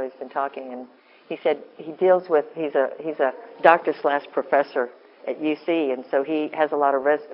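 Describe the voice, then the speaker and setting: A woman with a deep voice giving an informal, earnest talk to a women's group, often breaking off and restarting. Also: muffled recording. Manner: rambling, self-interrupting, earnest. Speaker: women's ministry speaker.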